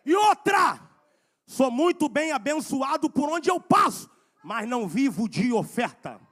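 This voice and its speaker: In a church, a very high-pitched, very animated man preaches, swinging between quiet asides and fervent shouted exhortations with slow, drawn-out emphasis.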